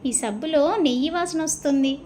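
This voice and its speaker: A teasing husband read by a woman answers his wife with mock exasperation. He lands each punchline in a high, light voice over a faint ambient hiss. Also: a little fast, warm tone, natural voice. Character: grumbling husband, middle-aged, teasing.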